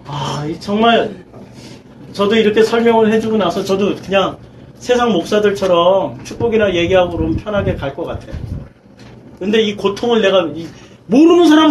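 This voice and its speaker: A male pastor leading a Bible study, firing rhetorical questions and sliding between casual and polite speech, swinging from loud emphasis to quiet asides. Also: sits high, a little hiss or hum, rough recording.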